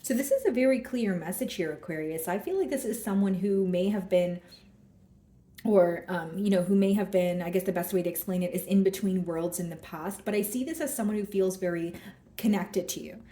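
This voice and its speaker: A woman giving a casual tarot reading with a hoarse, scratchy throat, thinking aloud as she draws cards and talks straight to her viewers. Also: mid-range voice, brisk, mellow, reverberant. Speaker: tarot card reader.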